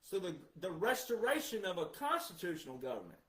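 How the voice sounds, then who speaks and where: Male commentator, high register, roomy echo; emphatic, repeats key words for stress. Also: sing-song, brisk, pushed and bright. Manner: emphatic, asks rhetorical questions then answers them. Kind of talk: monologue commentary.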